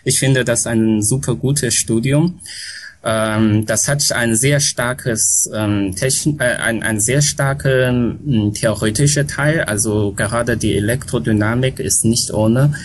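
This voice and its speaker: A middle-aged man from China, a podcast guest talking slowly and hesitantly, with many pauses and restarts. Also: medium pitch, slight background noise. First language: Chinese. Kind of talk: casual podcast conversation. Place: home near an airport. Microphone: remote call from home.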